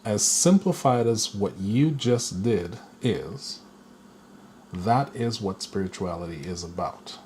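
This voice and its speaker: Slow, deliberate male spiritual teacher. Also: lowish voice, animated, darkish tone, a little hiss or hum. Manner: slow, deliberate, with playful chuckles. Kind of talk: guided spiritual lesson.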